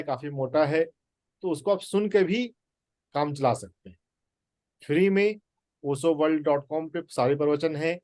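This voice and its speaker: A man teaches scripture at an unhurried, measured pace, stressing words with long pauses. His voice sits a little high for a man. The sound is dry and close. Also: darkish tone, no echo. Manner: slow, deliberate, emphatic pauses. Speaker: meditation and Gita teacher. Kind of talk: spoken teaching talk.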